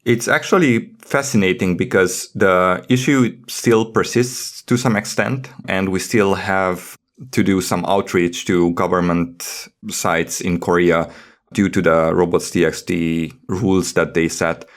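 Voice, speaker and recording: Man, deep low voice, podcast co-host, casual technical explaining. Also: steady tone, unhurried.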